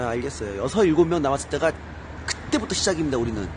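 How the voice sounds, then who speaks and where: A man speaks at a very fast clip in a fairly high voice, his pitch swinging very widely. Noticeable background noise runs underneath. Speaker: internet live streamer. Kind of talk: live stream chat.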